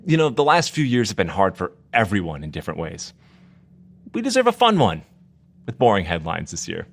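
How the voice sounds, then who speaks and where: An actor playing a sheepish, chatty superhero in a comedy audio adventure, casual and hesitant, with a joking way of talking. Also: male voice, sits low, huge pitch swings, a little fast, gravelly, heavily acted. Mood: relieved, friendly. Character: sheepish, chatty superhero man making excuses.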